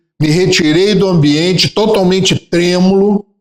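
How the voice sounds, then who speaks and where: A man is speaking. His pace is very slow. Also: dry, close sound with no echo. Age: 60s. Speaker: spiritist lecturer. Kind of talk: lecture.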